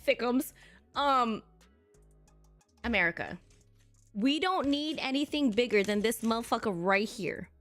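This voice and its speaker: A woman's voice: high-pitched, a bit bright. A woman of Filipino heritage chatting casually on a live stream, blunt and profane with frequent laughter.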